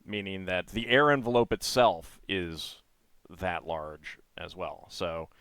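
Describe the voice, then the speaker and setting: Low-voiced male game master, halting. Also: fairly even intonation, a bit bright, smooth, no room sound. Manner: halting, full of uhs and restarts. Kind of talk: narrating a tabletop game over voice chat.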